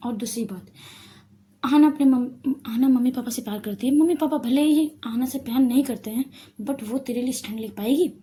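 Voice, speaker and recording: A woman's voice: high-pitched, brisk, mellow, slightly rough. A woman voicing a playful young woman who teases her friend and worries earnestly for her sister.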